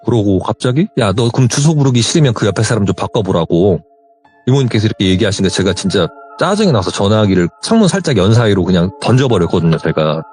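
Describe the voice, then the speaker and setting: A young man recounts a personal story as a phone-interview guest and plays out each exchange in quoted dialogue. His voice sits low yet swings widely in pitch. Soft music runs faintly behind him. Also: fast. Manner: animated retelling, quoting others in dialogue. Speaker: caller telling a true ghost story.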